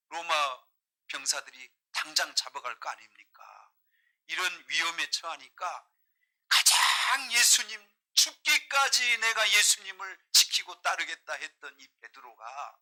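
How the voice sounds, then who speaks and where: With a forceful, bright, fairly high-pitched voice, a middle-aged man from Jeolla, South Korea, delivers a sermon as a pastor. He reads from scripture and presses his congregation with emphatic rhetorical questions.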